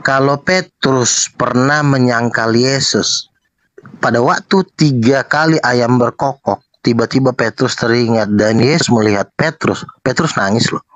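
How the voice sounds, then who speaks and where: A man's voice: medium pitch, unhurried, fairly bright tone, dry recording. A man arguing heatedly in a debate, combative and preachy, with slangy street talk.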